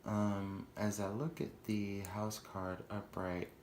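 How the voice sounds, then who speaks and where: A man with a very low voice talks through a tarot spread in a loose, chatty way. He stops now and then to correct himself or toss in a joke. The room is echoey, with a faint hiss behind him. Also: flat delivery, takes it slowly, darkish tone. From Houston, Texas. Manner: chatty, self-correcting, playful asides. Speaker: tarot reader. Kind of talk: casual tarot reading.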